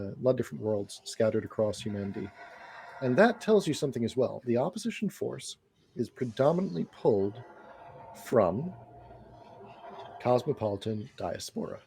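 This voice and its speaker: A man narrating as game master of a tabletop role-playing game, describing scenes and answering players with relaxed, thinking-aloud fillers. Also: mid-range voice, husky.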